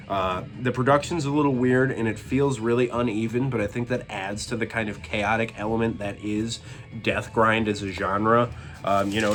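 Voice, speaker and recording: A man casually reviewing albums from his collection, relaxed and rambling with plenty of fillers. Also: medium pitch. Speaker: metal collection vlogger.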